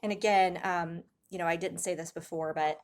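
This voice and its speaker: A woman with a low voice reads tarot cards for her viewers in a soft, hesitant way. She pauses often and restarts her sentences. Her throat sounds slightly raspy. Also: fairly even intonation. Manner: soft-spoken, hesitant, many ums and restarts, gasps in awe. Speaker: tarot reader. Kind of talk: casual spiritual tarot reading to viewers.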